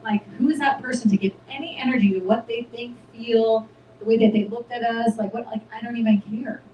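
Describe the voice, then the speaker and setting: Woman, casual spiritual chat, animated storytelling, echoey, faint hiss. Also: fairly high pitch, a little fast, highs cut off. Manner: animated storytelling, acts out her own self-talk. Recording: roomy, distant mic with faint noise.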